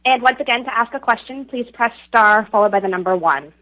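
A woman's voice: on the high side, a little fast, sharp tone. A woman working as a conference call operator, reading scripted instructions in a polished, formal announcer manner like a flight attendant. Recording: tinny phone-line conference call.

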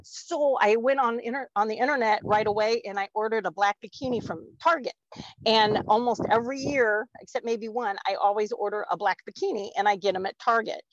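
On a podcast, a guest in her fifties chats casually, rambling with plenty of fillers and laughing often. Her voice sits on the high side and moves fairly quickly. The recording sounds dull, lo-fi and dry, with a slight background noise.

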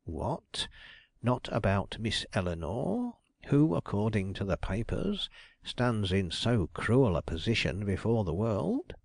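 Man voicing a shrewd older detective, suave, slow deliberate questions, dry close sound. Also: lowish voice, big pitch swings, creaky, darkish tone, dry recording, exaggerated voice.

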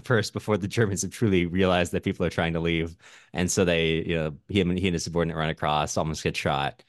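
Low deep guy on a book podcast, casual, kinda halting, super dry sound. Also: no room sound. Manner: halting, self-interrupting, informal. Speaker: podcast co-host.

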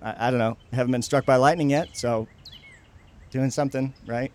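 An actor playing a joking, self-deprecating young church camper in an audio drama, casual and prone to restarts. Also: male voice, mid-range voice, fairly even intonation, moderate pace, darkish tone, close to an everyday voice. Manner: casual, jokey, stammering slightly over restarts. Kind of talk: naturalistic audio drama dialogue.

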